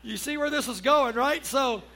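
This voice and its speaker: A man's voice: very high voice, moderate pace, sharp tone, low-quality recording. A middle-aged man, a pastor, preaching to a church congregation in a folksy, storytelling way, often checking in with the crowd, then leading a prayer. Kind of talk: conversational sermon and prayer.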